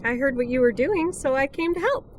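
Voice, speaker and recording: A woman's voice: high voice, expressive, brisk, slight background noise. A woman playing a cocky, thrill-loving wartime spy in an audio drama, with a teasing, breezy manner. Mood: cocky, playful.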